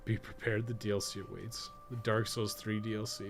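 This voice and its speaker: A man's voice: lowish voice, little pitch movement, fairly quick, vocal fry, music in the background. A man giving casual gaming commentary, thinking aloud in a rambling, profane way with joking asides. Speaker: podcast co-host playing a video game.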